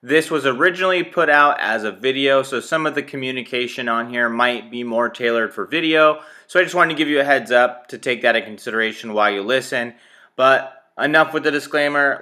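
A man's voice: medium pitch, fairly quick, bright, forceful tone. A man hosting a fishing show, talking casually through a how-to with chatty fillers and repeats. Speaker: fishing podcast host.

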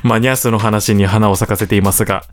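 A man's voice: on the low side, fairly even intonation, quick pace. A man from Hokkaido co-hosting a casual podcast chat, playful and laughing often. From Hokkaido, Japan. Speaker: podcast co-host.

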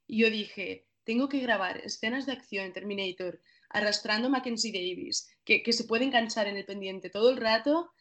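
A young woman from Catalonia, an actress answering interview questions with lively storytelling that acts out her own thoughts. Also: a little high, moderate pace, few pauses. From Catalonia, Spain. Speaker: actress guest.

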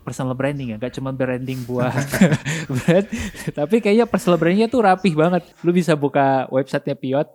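A man's voice: fairly high pitch, animated, brisk, few pauses, a little mellow. A man hosting a podcast in a casual interview, mixing Indonesian slang with English and giving frequent backchannel murmurs. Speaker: podcast host.

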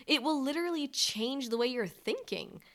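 A woman co-hosting a casual podcast, talking in lively, animated bursts. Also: high voice, normal speed. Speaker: podcast co-host.

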